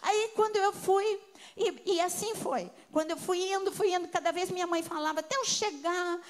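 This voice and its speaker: An older Brazilian woman preacher giving a sermon with personal testimony, telling her story with emotion and swinging between soft and loud. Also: very high-pitched, normal speed.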